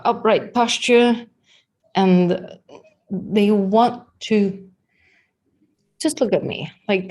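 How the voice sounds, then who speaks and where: A woman with a Danish accent teaching body language in a chatty, unhurried workshop talk, with many fillers and restarts. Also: mid-range voice, darkish tone. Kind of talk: live-streamed workshop talk.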